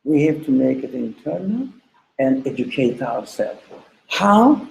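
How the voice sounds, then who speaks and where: A man's voice: mid-range voice, very animated, measured pace, gravelly, a little mellow, slight background noise. A man giving an informal religious lecture in a didactic, conversational way, with examples and rhetorical questions. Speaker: religious teacher leading a class. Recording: echoey room.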